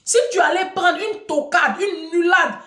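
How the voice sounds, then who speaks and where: A woman's voice: very high-pitched, unhurried, fairly bright tone, reverberant. A middle-aged woman giving impassioned advice to her audience, emphatic and preachy, repeating phrases for force.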